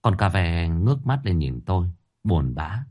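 Low-voiced man narrating a story. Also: measured pace. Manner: expressive, dramatic storytelling. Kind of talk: first-person story narration.

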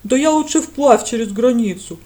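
A woman voicing a brash, excitable young highlander man. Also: brisk, close to an everyday voice.

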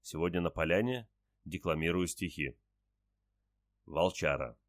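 A man reading a first-person story aloud in a calm, terse manner with short clipped sentences. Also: deep voice, unhurried, no room sound, clean studio sound. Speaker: audiobook narrator.

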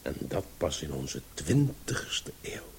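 An actor playing a pedantic, self-important uncle who lectures with pompous emphasis in a comic radio play. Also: male voice, extremely low pitch, sing-song, takes it slowly, creaky, a little mellow, breathy edge, whispered, heavily acted. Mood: pompous, lecturing. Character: pedantic uncle expounding his theory, self-important, patronizing.

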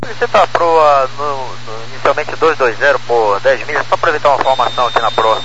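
Man on crackly cockpit radio. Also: mid-range voice. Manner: brisk, clipped radio phrasing. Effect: crackly two-way aviation radio. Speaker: airline pilot. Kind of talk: air traffic radio exchange. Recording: muffled noisy cockpit radio transmission.

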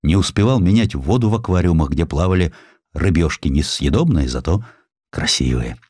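A man narrating a historical sketch as a scripted audiobook, with theatrical, expressive delivery. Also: deep voice, moderate pace, breathy edge, no echo, clean studio sound.

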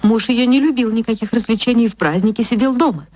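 Woman narrator for a classic radio play, slightly high pitch, dry and close, emotional and sweeping. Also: fast, a little mellow, dry recording.

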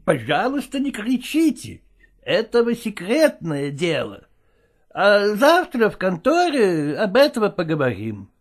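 A man's voice: high voice, wildly swooping pitch, voice pushed up, heavily acted. A man voicing an evasive, fussy male theatre partner who speaks broken Russian with a Yiddish-flavoured accent. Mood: hushed pleading. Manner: drawn-out, wheedling, broken grammar. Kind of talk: audiobook character voice.

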